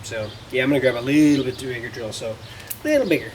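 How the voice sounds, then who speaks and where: A DIY car tutorial host narrates a casual how-to as he works, thinking aloud in a folksy way. His mid-range voice has lively intonation and a quick pace. The distant mic picks up clear noise and vehicle ambience.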